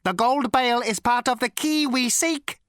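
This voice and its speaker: A man voicing an ancient, cold and lifeless robot with a cultured rasp, speaking flatly and patiently. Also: extremely high pitch, normal speed, no room sound, studio quality, voice pushed up. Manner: flat, patient, menacing.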